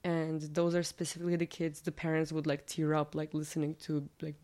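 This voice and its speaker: A woman from Turkey, whose first language is Turkish, speaks casually in an interview. Her voice is a little nasal and sits somewhat low. She rambles in a chatty way, leaning on fillers. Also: level tone, a little fast, dark tone. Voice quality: slightly nasal, fairly deep voice.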